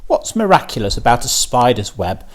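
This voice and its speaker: A man's voice: mid-range voice, very animated, moderate pace, close to an everyday voice. A man voicing an anxious, plain-minded farm mother in a children's storybook, with a fretful, questioning manner. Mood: puzzled, uneasy.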